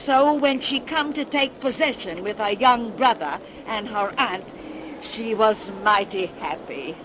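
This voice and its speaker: A woman voicing an old cackling witch who tells tales in a slow folksy dialect drawl, in 1930s radio drama style. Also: on the high side, lightly acted. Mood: eerie folksy. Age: older. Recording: noisy 1930s radio recording.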